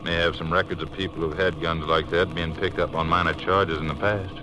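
A man's voice: low-pitched, flat delivery, brisk, lightly acted. An actor playing a plainspoken, folksy rural lawman in a 1950s radio drama. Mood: easygoing. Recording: noisy old radio recording.

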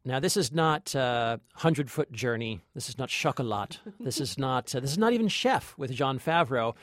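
A man's voice: mid-range voice, expressive, normal speed, fairly bright tone, no room sound, studio quality. A man co-hosting a film review podcast in casual, enthusiastic chat, often repeating words as he goes. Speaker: podcast co-host, film critic.

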